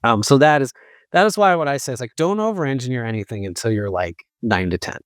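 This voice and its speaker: A man with a mid-pitched voice talks casually as an experienced sales executive in an interview. He is informal and emphatic, slipping into quoted remarks to make points. The sound is dry, with very little room echo. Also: animated, fast. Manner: informal, emphatic, often quotes imagined dialogue. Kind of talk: casual conversational interview answers.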